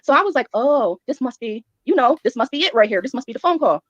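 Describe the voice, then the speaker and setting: A woman's voice: high voice, animated, fast, fairly bright tone, dry recording, dull audio. A woman recounting events in casual, informal speech, acting out both sides of conversations. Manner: informal, re-enacts dialogue. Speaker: furniture store customer service worker and guest. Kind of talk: animated first-person storytelling, casual chat.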